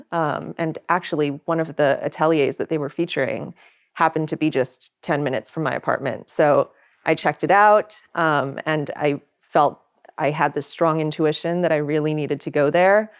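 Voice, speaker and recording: Young woman, American accent, low-pitched voice, earnest, thoughtful, reflective personal storytelling. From Hawaii, United States. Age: young adult. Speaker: interview guest.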